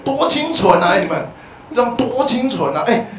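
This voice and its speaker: A man in his thirties with a Taiwanese Mandarin accent doing a stand-up comedy set on a club stage, animated and given to loud shouted bits. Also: extremely high pitch, normal speed, a loud crowd. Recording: echoey club sound from a distance, audience noise.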